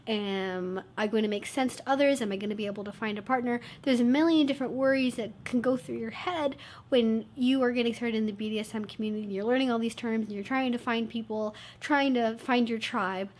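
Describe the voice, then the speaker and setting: Woman vlogger, congested and tired, earnest and reassuring, a touch high. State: congested, stuffed-up nose; low on energy. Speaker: YouTube channel host. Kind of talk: casual talk to camera.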